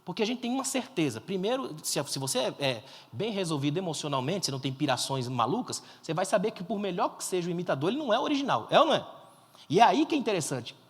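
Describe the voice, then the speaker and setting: Pastor guy preaching, really high husky voice, big echoey hall. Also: very animated, fast talker. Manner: fervent, swells to loud emphasis, quizzes the crowd. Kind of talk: sermon. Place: church conference hall. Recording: long hall reverb.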